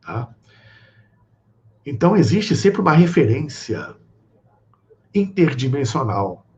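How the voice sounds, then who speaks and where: A man with a Brazilian Portuguese accent, speaking as a guest on a live stream and lecturing, often checking in with a quick "tá?". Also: medium pitch, very animated, darkish tone, lo-fi sound. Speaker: guest speaker on esoteric topics.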